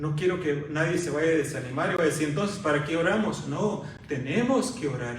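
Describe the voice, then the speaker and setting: A man's fairly high voice rises and falls with lively intonation against noticeable background noise. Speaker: pastor. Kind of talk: sermon preached to a congregation.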